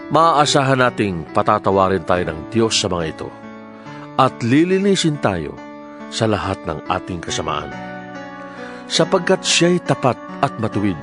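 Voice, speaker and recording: A man with a Filipino accent giving a solemn, measured, declamatory dramatized reading of scripture as a Bible narrator. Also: fairly low pitch, sing-song. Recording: music bed under the voice. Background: background music.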